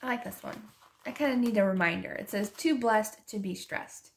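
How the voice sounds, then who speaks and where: Soft-spoken hoarse woman with vocal fry. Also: medium pitch, moderate pace, slight background noise. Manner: soft-spoken, drifting into whispers; chatty, laughs often. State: hoarse, losing her voice. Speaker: planner and journaling vlogger. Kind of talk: casual chat while decorating a planner.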